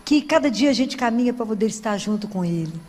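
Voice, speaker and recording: Brazilian woman, pretty high voice, chatty church sermon, long echo. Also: expressive, fast, darkish tone. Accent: Brazilian Portuguese. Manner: chatty, with frequent tag questions and restarts. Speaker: Catholic lay preacher. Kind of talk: conversational sermon.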